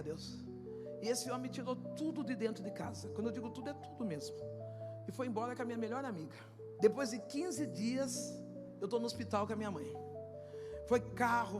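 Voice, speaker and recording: A woman pastor with a Brazilian Portuguese accent gives an emotional testimony sermon, moving from quiet storytelling to shouted, half-sung preaching. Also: a little high. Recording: echoey hall with long reverb and loud music behind.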